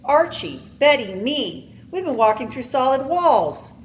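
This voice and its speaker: A woman's voice: mid-range voice, animated, a little slow, a little hiss or hum, close to an everyday voice. A woman voicing a flustered male chemistry professor from a comic book, exclaiming in alarm. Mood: frantic.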